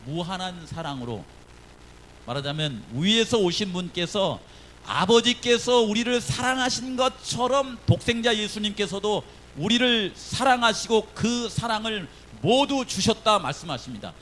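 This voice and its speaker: Male pastor, fairly high-pitched, giving a chatty, question-filled sermon in a church with faint background noise. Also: lively intonation, a little slow, fairly bright tone, rough recording. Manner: conversational, asks the congregation questions. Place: church sanctuary.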